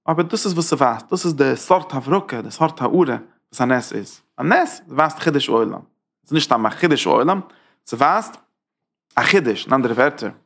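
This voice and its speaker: A man teaches a Hasidic text in a gravelly voice at a middle pitch. He talks in halting phrases, stops often to search for words, and drops Hebrew and English terms into his Yiddish-style German. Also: animated, fairly bright tone. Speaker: Torah teacher.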